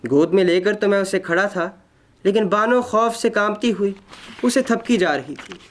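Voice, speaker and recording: A man narrating a literary short story in an expressive, measured, dramatic reading style. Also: sits high.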